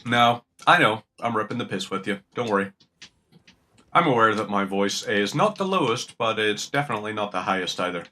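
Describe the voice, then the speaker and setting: Jokey, sweary streamer. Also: male voice, lowish voice, animated, fairly quick, bright, forceful tone. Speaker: gaming streamer. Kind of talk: casual commentary while playing.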